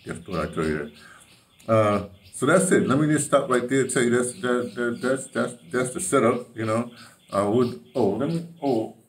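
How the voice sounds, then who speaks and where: A man's voice: medium pitch, expressive, normal speed, slight background noise. Older man, casual vlog update, rambling, distant from a phone mic in an echoey bedroom. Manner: rambling, with many restarts and fillers. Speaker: vlogger. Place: small bedroom indoors. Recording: roomy echo, voice from off the mic.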